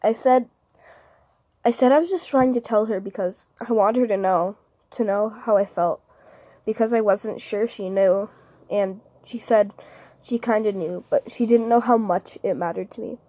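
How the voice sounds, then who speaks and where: A woman playing an earnest twelve-year-old girl in an audition monologue, soft-spoken, halting and sincere as she pleads with her father. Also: medium pitch, no room sound, close to an everyday voice. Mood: wistful, confiding.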